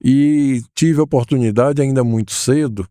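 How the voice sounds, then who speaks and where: A man, a guest recalling his life in a thoughtful, hesitant way with many pauses and fillers. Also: medium pitch, warm tone, no echo, studio quality. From Salvador, Bahia, Brazil. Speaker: guest, educator. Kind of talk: relaxed interview conversation.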